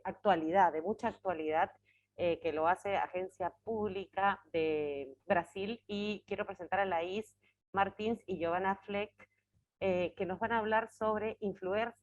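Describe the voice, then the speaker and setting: A woman with a middle-pitched voice moderates an online conference. She speaks off the cuff, often repeating and rephrasing words. The sound is a little muffled, as on a video call. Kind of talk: spontaneous introductions and moderating. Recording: slightly dull online call.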